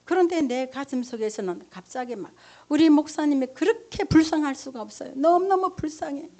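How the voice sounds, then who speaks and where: Pastor's wife giving emotional testimony. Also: female voice, sits high, lively intonation, a little fast, mellow. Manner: emotional storytelling, acts out her own prayers and dialogue. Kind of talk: testimony sermon.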